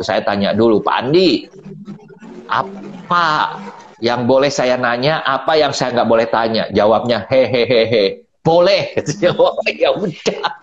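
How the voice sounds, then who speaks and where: A man's voice: mid-range voice, dull audio. A middle-aged man giving a casual motivational business talk, acting out quotes and laughing often. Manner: animated storyteller, acts out quotes, laughs often. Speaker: business speaker on a live stream. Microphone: phone mic.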